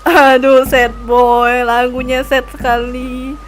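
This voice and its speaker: A woman's voice: sits high, level tone, takes it slowly, a little hiss or hum. A young woman streaming a game, laughing often and sighing in exasperation at her teammate. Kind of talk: casual live-stream chat.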